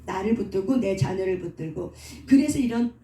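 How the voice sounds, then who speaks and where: A woman's voice: mid-range voice, expressive, brisk, dark tone, slight background noise. A woman pastor preaching a sermon who keeps asking the congregation questions and answering them herself. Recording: echoey room, voice from a distance.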